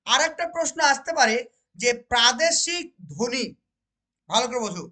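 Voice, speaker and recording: A woman with a West Bengal accent teaching an exam-prep grammar lesson. She repeats each point and keeps asking whether it is clear. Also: on the high side, fairly bright tone. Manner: repeats points and asks rhetorical check questions; slows down to stress key phrases.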